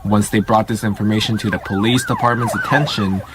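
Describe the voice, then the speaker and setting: A man reading a scripted horror story in a measured storytelling manner. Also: on the low side, huge pitch swings, background noise. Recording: music under the voice. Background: background music.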